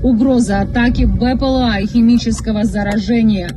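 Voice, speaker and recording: A woman announcing an air raid warning over a loudspeaker in a flat, official tone. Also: fairly high pitch, fairly quick, over music. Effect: air raid alert over a loudspeaker. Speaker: public alert announcer. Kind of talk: recorded emergency announcement.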